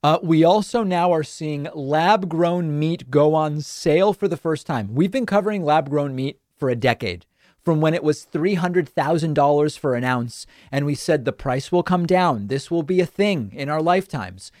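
A man from the northern United States hosting a political talk show, giving brisk, emphatic and sarcastic commentary into a studio microphone. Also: on the high side, darkish tone, no room sound.

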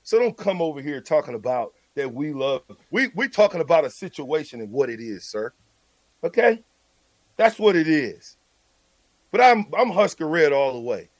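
A man's voice: fairly high pitch, very animated, normal speed, dry recording. A man hosting sports talk in a heated, emphatic and confrontational manner, repeating phrases for stress. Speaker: sports talk show host.

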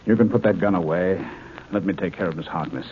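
An actor playing a protective, indignant captive Earth scientist, questioning urgently in a 1950s radio drama. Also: male voice, low voice, fairly quick, close to an everyday voice. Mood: tense, protective. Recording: tinny, noisy 1950s radio recording.

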